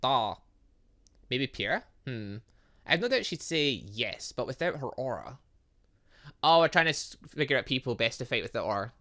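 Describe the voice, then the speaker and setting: A man's voice: mid-range voice, big pitch swings, moderate pace, sharp tone. A man reading visual novel dialogue aloud as a gaming host, breaking off into casual asides and exclamations.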